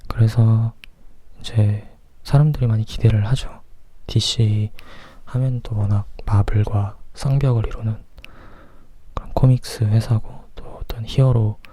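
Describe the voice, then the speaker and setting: A man from South Korea whispering softly and close to the mic in an informal ASMR movie chat, sometimes thinking aloud. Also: lowish voice, steady tone, unhurried, breathy edge, dry recording. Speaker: movie review host. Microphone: close microphone.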